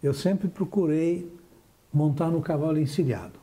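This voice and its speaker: A man's voice: on the high side, moderate pace, mellow. An older businessman from southern Brazil, recalling his life as an interview guest, often restarting and trailing off as he remembers.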